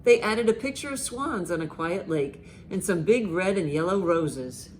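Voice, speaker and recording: A woman hosting a children's storytime, reading aloud and reciting rhymes with expressive, deliberate emphasis. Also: lowish voice, slight background noise. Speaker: library storytime host.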